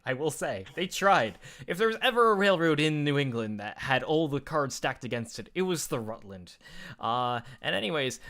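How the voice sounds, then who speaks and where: A man's voice: medium pitch, a bit bright. A man co-hosting a casual online show, talking in a rambling way with many fillers and restarts. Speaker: podcast co-host. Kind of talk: casual chat.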